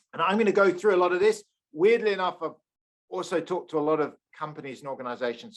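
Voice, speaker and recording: Speaking with lively intonation, a man has a British accent. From Britain. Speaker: economics professor. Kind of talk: lecture. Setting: conference lecture.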